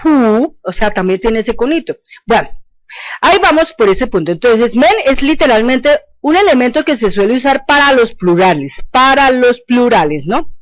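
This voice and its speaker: A woman's voice: a little high, expressive, normal speed, dry recording, low-quality recording. A woman teaching an online language lesson, explaining patiently, repeating points and often checking that students follow.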